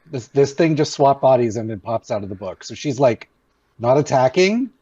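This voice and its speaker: A man playing a tabletop game, explaining his character's actions in an animated, rambling way. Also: medium pitch, moderate pace, slightly rough, dry recording, dull audio. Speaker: player. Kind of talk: casual game chat.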